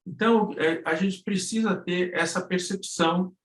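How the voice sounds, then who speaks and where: A man's voice: sits high, fairly even intonation, normal speed, fairly bright tone. A man explaining things informally in a live lesson, often checking in with short tag questions. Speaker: guest instructor. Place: indoor room on an online live stream. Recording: roomy, echoing live-stream audio.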